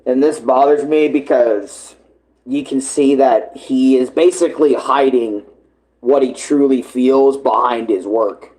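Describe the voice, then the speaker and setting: A man's voice: medium pitch, steady tone, a little slow, darkish tone, rough recording. A man doing casual live reaction commentary as a streamer, talking in slang and swearing. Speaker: livestreamer reacting to a comic dub series.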